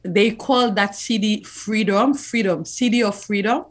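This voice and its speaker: Shy woman guest, halting. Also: medium pitch. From Haiti. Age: 30s. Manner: halting, simple phrasing, shy laughs. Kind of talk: casual podcast interview.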